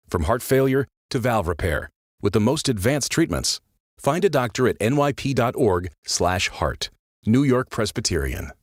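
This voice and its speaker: Calm male ad read, lively intonation, dry studio sound. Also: medium pitch, dry recording. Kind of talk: read radio ad.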